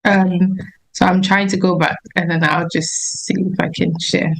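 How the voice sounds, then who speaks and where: A woman's voice: on the low side, little pitch movement, measured pace, vocal fry, poor audio. Earnest woman explaining a health topic. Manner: earnest, explanatory, self-correcting. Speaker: guest nurse practitioner. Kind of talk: informal health talk with slides.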